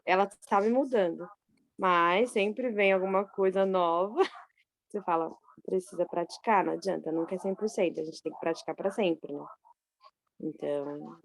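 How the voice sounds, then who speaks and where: A woman's voice: on the low side, creaky, no room sound. Candid, hesitant woman on a call. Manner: hesitant, self-correcting, candid. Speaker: study group participant. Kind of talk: casual group testimony.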